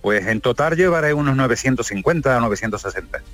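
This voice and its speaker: A man, calling into a radio interview over a phone line that keeps breaking up, speaking haltingly and repeating words. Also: medium pitch, lively intonation, a bit bright, no echo, faint music behind. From Andalusia, Spain. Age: 60s. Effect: phone line breaking up, cutting in and out. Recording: patchy distant phone call.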